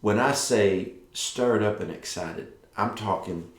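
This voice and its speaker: A man's voice: fairly low pitch, slow. A middle-aged man hosting a devotional show of prophetic words, speaking carefully through a sore, stitched mouth after dental surgery. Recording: echoey, roomy sound.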